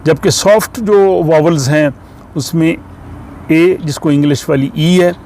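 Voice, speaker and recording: A man teaching a language lesson, explaining slowly and patiently with frequent pauses and fillers. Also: a little high, darkish tone, a little hiss or hum. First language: Urdu.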